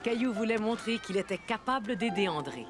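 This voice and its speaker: A woman reading scripted narration for a children's story in an expressive storytelling manner. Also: mid-range voice, brisk, music in the background.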